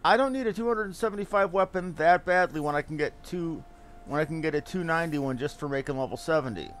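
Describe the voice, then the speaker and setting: High-voiced man streaming a game. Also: fast talker, a little hiss or hum. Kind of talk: casual game stream commentary.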